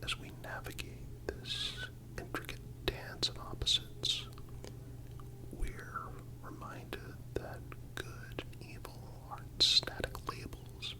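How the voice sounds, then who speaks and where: ASMR narrator, whispered, breathy, unhurried, soothing, measured scripted delivery. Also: low-quality recording.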